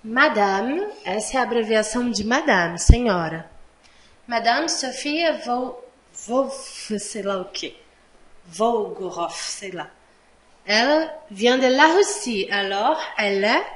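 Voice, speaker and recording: Slow patient woman teaching French. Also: fairly high pitch, fairly bright tone, roomy sound. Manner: mixes Portuguese explanations with French examples. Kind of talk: online language lesson.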